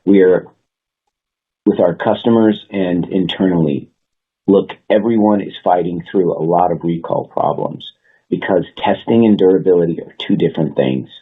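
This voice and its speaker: Male executive, very low husky register, measured businesslike earnings-call delivery, narrow phone-line audio. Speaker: company executive. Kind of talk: prepared earnings call remarks. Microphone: conference call line.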